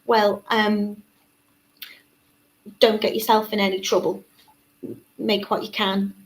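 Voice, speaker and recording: A woman's voice: medium pitch, little pitch movement, takes it slowly, rough recording. A woman hosting a live beading tutorial in a chatty way. She reads out viewer comments and uses many fillers. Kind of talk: live-stream tutorial chat.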